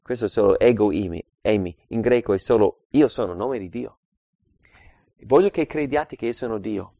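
A man preaching a Bible study, reading scripture aloud and explaining it, swinging between loud emphatic passages and quiet asides. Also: on the low side, moderate pace, gravelly, no room sound. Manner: reads scripture aloud and explains it, calling out verse numbers.

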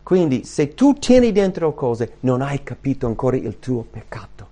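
Dramatic male preacher, loud then hushed. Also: sing-song, normal speed. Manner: swings between loud, high emphatic bursts and quiet, low asides; reads scripture aloud to the congregation. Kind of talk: sermon.

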